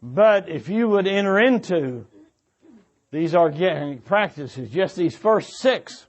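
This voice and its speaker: A man with a somewhat high voice gives an informal sermon in an earnest, exhorting way. He moves haltingly through his points, repeating and rephrasing as he goes. The recording is dull and a little muffled. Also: lively intonation. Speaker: preacher addressing young adults at a church gathering.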